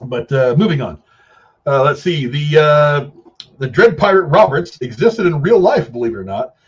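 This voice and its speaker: A man's voice: a little high, expressive, normal speed, slightly rough, lo-fi sound. A man co-hosting a casual film chat, telling rambling anecdotes in slangy, profane language. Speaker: podcast co-host.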